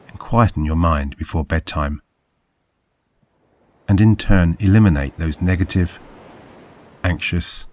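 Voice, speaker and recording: A man narrating a scripted guided sleep meditation as a hypnosis guide, soothing and measured, with deliberate phrasing. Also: sits low, darkish tone.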